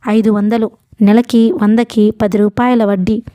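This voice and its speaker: A woman voicing a proud young husband who speaks quietly and curtly, in an audiobook. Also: fairly high pitch, little pitch movement, a little slow, no room sound, close to an everyday voice. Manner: quiet and restrained. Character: proud, curt young husband short of money.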